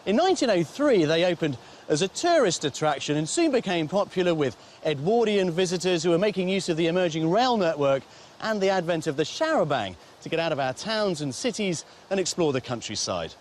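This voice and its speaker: A man's voice: a little high, darkish tone, slight background noise. A man presenting a TV property show, delivering scripted narration in an upbeat way.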